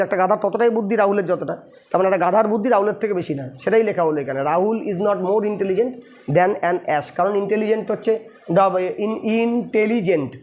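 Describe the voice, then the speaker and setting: A man with a Bengali accent teaching English grammar, repeating points and asking his students rhetorical questions. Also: high voice. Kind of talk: explaining lesson to students. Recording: dull lo-fi recording.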